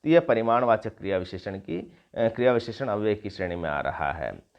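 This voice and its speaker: A middle-aged man teaching a grammar lesson, explaining slowly, repeating terms and listing examples with pauses and fillers. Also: on the low side, expressive. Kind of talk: classroom lecture. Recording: dull lo-fi recording.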